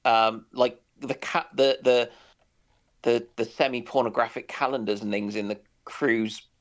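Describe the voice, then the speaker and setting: A man in casual discussion on a naval history stream, speaking haltingly with dry humour. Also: medium pitch, steady tone. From United Kingdom.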